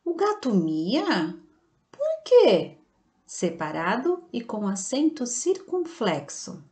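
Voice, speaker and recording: A Brazilian Portuguese-speaking woman teacher giving a slow, patient online grammar lesson to children, often checking in with the class. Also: fairly high pitch, huge pitch swings, dark tone. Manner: patient, slow and didactic, checking in with "tá bom?" and "certo?". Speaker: primary school teacher.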